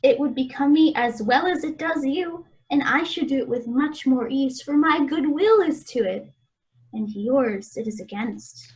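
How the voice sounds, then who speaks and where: A woman's voice: sits high, a little slow, darkish tone, low-quality recording. A woman playing an innocent, lovestruck young maiden, speaking earnest formal verse in a Shakespearean radio play. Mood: eager, concerned.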